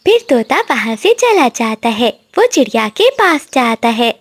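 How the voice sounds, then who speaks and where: A woman narrating a cartoon story in a slow, moral-telling storyteller manner. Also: a little high, big pitch swings, no echo.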